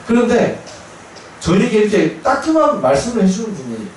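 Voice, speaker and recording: A male Buddhist chaplain giving a storytelling dharma talk, his fairly high voice rising and falling with animation. He slips into other people's voices as he recounts events. The sound comes from away from the mic in a boomy, reverberant hall with faint ambience. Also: very animated, normal speed, darkish tone, slight background noise. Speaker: Buddhist military chaplain monk. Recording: echoey hall, voice from far off.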